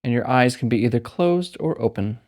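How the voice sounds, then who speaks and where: A man leading a guided meditation as a teacher, speaking calmly and unhurriedly with long pauses. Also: mid-range voice.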